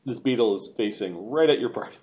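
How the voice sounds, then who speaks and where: A man's voice: medium pitch, expressive, a little fast, very noisy. Dull-sounding male game master. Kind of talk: casual tabletop game narration. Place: indoor room, video call. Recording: dull, lo-fi online call.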